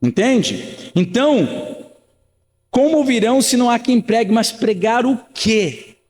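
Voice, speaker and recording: A man's voice: very high-pitched, very animated, unhurried, a little mellow, long reverb tail. A man in his thirties, from Rio de Janeiro, preaching an earnest, conversational sermon full of rhetorical questions and repeated phrases. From Rio de Janeiro, Brazil. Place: church sanctuary.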